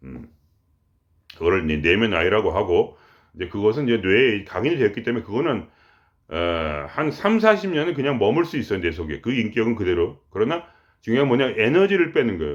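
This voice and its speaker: Vocal fry marks this man's medium-pitched voice. He speaks fairly quickly, his pitch swinging very widely. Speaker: meditation teacher. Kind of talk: lecture. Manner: rough blunt way of talking; casual, halting with fillers.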